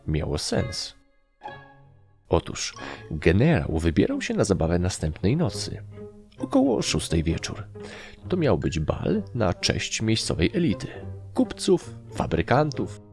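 Man, Polish accent, very low voice, gravelly, animated narration, audiobook. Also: slow, long pauses, faint music behind. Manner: animated, voicing characters with raised shouts. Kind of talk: first-person audiobook narration.

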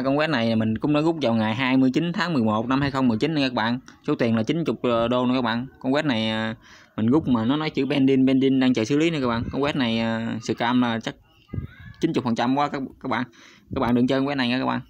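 A man's voice: medium pitch, quick pace, dry recording. Man, chatty screen walkthrough. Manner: chatty, hesitant, often stops on fillers and addresses viewers constantly. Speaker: YouTube channel host. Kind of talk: casual screen-recorded walkthrough. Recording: slightly dull lo-fi sound.

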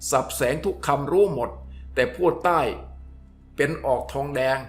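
A man narrating a story in a steady, descriptive reading voice. His pitch runs a little high for a man, and soft music plays quietly underneath. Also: normal speed.

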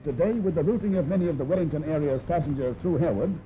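A man's voice: on the high side, very fast. A man giving formal, announcing narration for an old newsreel, heard from its original soundtrack. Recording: tinny old newsreel audio with music.

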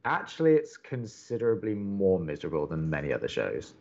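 An earnest, exasperated college radio host. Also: male voice, low-pitched, wildly swooping pitch, creaky, a little mellow, dull audio, full character voice. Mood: reluctant, exasperated. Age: young adult. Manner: wordy, halting, opinionated. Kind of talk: audio drama acting, conversational radio banter.

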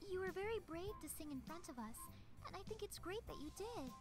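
A woman voicing a sweet, timid young student in a game, soft-spoken, hesitant and polite. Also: very high voice, expressive, a little fast, music in the background. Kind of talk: game voice acting.

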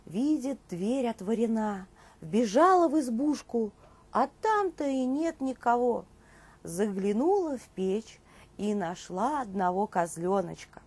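Brief: female children's storyteller, thirties, high-pitched voice with a slightly rough, breathy edge. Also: animated, a little slow, a little mellow. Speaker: children's show presenter and storyteller. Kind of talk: expressive storytelling for young children. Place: indoor TV studio dressed as a nursery.

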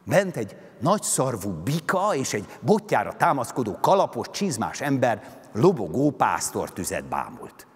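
A man giving a dramatic literary reading of a story, with expressive, sweeping intonation, on a concert hall stage. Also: mid-range voice, husky. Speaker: reciting actor.

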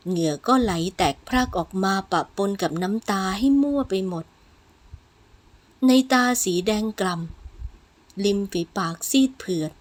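A woman reading novel narration in a low, somber, measured voice. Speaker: audiobook narrator.

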